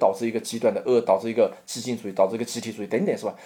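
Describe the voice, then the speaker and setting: A man is speaking. His pace is very fast. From China, Hunan (Hengyang). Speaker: history professor. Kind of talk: casual intellectual discussion. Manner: hesitant, many filler words.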